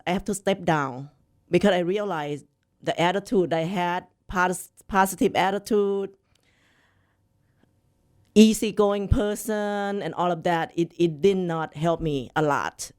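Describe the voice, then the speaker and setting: A woman in her sixties from Thailand with a Thai accent, a native Thai speaker talking as a guest on a radio interview, cheerful and quick to laugh. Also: medium pitch, darkish tone.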